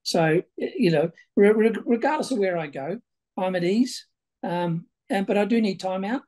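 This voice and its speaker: Councillor, 60s, from Ireland, webcam call, relaxed dark tone, rambling casual delivery. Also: male voice, sits high, moderate pace. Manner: chatty, repeats words as he speaks. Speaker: local councillor. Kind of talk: video call interview. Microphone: video call webcam.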